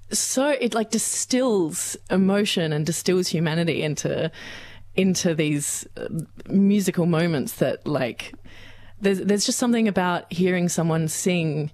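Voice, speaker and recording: A woman's voice: on the low side, a little mellow, no room sound. A woman singer guest on a radio show, enthusiastic and searching for words with many fillers. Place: radio studio.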